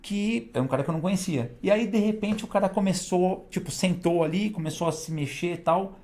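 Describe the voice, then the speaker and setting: A man tells stories as a guest in an animated way, laughing now and then. He talks very fast. His voice sits a little high for a man. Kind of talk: casual storytelling.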